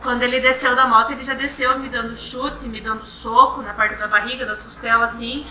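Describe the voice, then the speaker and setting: A young woman giving courtroom testimony, retelling events in a halting, repetitive way. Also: on the high side, little pitch movement, pushed and bright. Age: young adult. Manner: halting, repetitive retelling, often restarting with "then". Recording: roomy courtroom from far off, faint hum.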